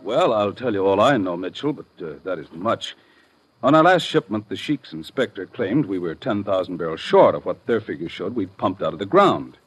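An actor playing a gruff, hesitant oil-field manager in a 1950s radio drama. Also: male voice, lowish voice, very animated, moderate pace, faint music behind, rough recording. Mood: guarded, explanatory.

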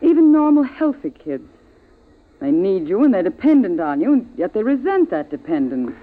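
A woman's voice: mid-range voice, very animated, moderate pace, natural voice. An actress playing a terrified mother in a 1950s radio drama, pleading and crying in a breathless voice. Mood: musing. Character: terrified mother hiding in the attic. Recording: tinny old radio broadcast.

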